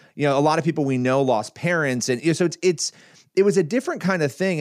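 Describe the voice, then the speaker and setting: Recorded very cleanly against a silent background, a man with an American accent speaks with lively intonation. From US Northeast. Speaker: journalist and author. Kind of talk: casual interview chat.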